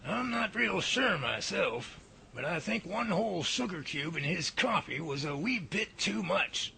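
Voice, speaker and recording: Man playing a creaky, high-voiced folksy professor. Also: very animated, measured pace, sharp tone, a little hiss or hum, heavily acted. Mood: folksy, reassuring. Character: folksy, easygoing professor leading a Sasquatch research team. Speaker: lead Bigfoot researcher. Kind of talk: radio drama acting.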